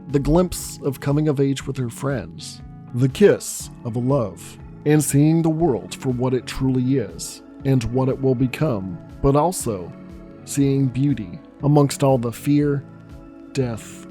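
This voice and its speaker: A man with a hoarse, raspy voice from being sick, earnestly narrating a scripted film review as a channel host. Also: mid-range voice, a little mellow.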